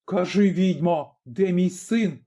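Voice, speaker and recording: A man's voice: high-pitched, takes it slowly, mellow. A man playing a grim old Cossack father.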